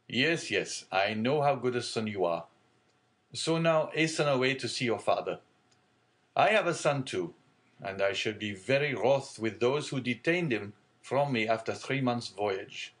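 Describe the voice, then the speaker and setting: A man reading aloud and voicing a genial, fatherly older shipowner in a hearty, booming manner. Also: lively intonation, measured pace, fairly bright tone. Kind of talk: audiobook character reading.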